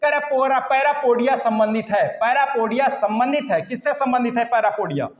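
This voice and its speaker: A man with a high voice teaches an exam-prep biology class. He drills each question over and over. The sound is roomy, with a long reverb trailing after his words. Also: brisk. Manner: repetitive, drilling questions, says "guys" often. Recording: echoey room with long reverb.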